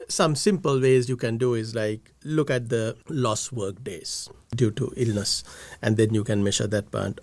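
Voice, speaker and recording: A man's voice: mid-range voice, vocal fry, darkish tone, dry recording. A man from Sri Lanka, an economist guest explaining step by step with many filler sounds and restarts. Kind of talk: explanatory podcast talk. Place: studio.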